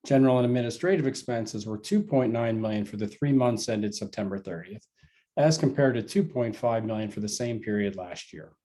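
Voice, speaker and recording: A man's voice: mid-range voice, warm tone. A man reading a scripted financial report on an earnings call as a company finance executive, formal and methodical with figures.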